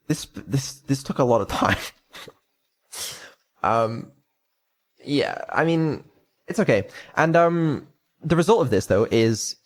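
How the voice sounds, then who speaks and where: A man giving a casual live stream update as a developer, rambling and hesitant with many ums and offhand swearing. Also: medium pitch.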